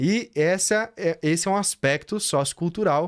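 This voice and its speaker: Listeners hear a man with a southern Brazilian accent. His pitch is high. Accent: gaúcho accent, noticeable. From Rio Grande do Sul, southern Brazil. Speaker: spiritual course teacher. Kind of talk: live online lecture.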